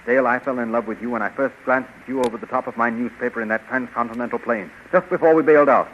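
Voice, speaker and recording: A man's voice: mid-range voice, steady tone, fast talker, a little hiss or hum, lightly acted. A man voicing an earnest young space hero in a 1930s radio drama, pleading his case. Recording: dull lo-fi 1930s radio recording.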